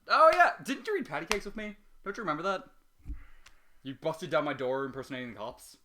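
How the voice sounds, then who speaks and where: Male amateur host and reader, bright mid-pitched voice, casual and sweary, faint noise behind. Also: animated, a little fast. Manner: profane, joking. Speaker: host reading fan fiction aloud. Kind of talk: casual banter and amateur story narration.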